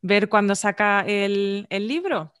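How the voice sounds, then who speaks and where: A young woman with a Castilian Spanish accent hosting a podcast, chatting casually with lively interjections into a studio mic at home. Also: medium pitch, clean tone. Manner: chatty, warm interjections, quick restarts. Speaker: podcast host. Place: home room, video call. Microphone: large studio mic on boom arm.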